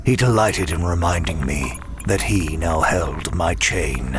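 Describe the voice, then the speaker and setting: A weary imprisoned demon from a dark audio drama. His voice sits very low and moves slowly over a music bed. He sounds measured and wry, with dry sardonic defiance. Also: animated. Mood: brooding, weary. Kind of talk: first-person audio drama narration and dialogue.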